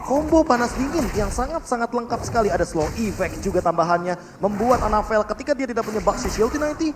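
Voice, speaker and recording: Fast, high-voiced Indonesian male esports analyst. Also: lively intonation, background noise. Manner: explanatory, emphatic with repeated intensifiers. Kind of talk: analytical live game commentary.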